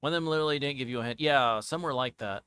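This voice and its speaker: A man giving casual, rambling commentary as a game streamer, halting and searching for words, often trailing off mid-thought. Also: mid-range voice, sharp tone, smooth, dry recording. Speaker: streamer reviewing a visual novel game.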